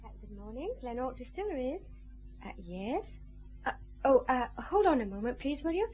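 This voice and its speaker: A woman's voice: high voice, very animated, normal speed, a little mellow. A flustered Scottish switchboard girl. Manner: hesitant, flustered, many uh's. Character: young Glasgow switchboard operator, nervous and helpful. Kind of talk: radio drama acting.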